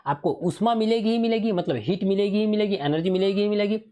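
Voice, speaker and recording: A man's voice: sits high, quick pace, dark tone. Man teaching, quizzing himself aloud. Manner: asks and answers his own questions, repeats key terms. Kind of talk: exam revision lesson.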